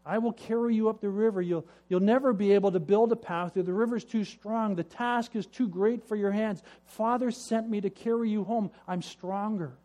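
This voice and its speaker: A man voicing a patient, gentle eldest brother who speaks softly and firmly. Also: high-pitched, expressive, normal speed, pitched above the performer's own voice. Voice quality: soft, patient.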